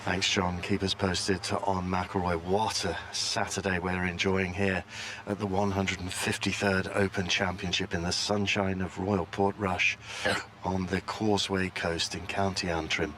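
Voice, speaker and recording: A man's voice: low voice, little pitch movement, unhurried, a bit bright. A man giving live golf commentary, describing play as it unfolds in short, descriptive phrases. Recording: faint background noise and hum.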